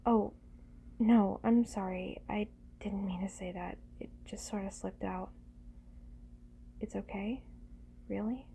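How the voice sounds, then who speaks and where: A woman playing a doting, teasing lover in an intimate ASMR roleplay, speaking gently and soothingly in a breathy voice that often slips into whispers. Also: medium pitch, steady tone, slow pace, long pauses, slight background noise. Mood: sheepish, relieved.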